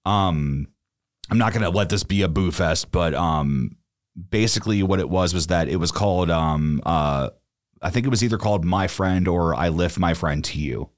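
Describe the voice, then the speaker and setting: A young man with a very low, deep voice co-hosts a casual podcast. He rambles, restarting his sentences and filling the gaps with "like" and "um". The sound is dry and close, with no room around it. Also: moderate pace, no room sound. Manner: rambling, many fillers and restarts. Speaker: podcast co-host.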